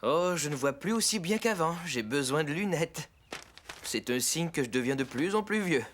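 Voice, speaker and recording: A man's voice: on the high side, expressive, moderate pace, a bit bright, a little hiss or hum. A man voicing a patient, thoughtful father in a preschool cartoon, explaining things simply. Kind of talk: French-dubbed preschool cartoon acting.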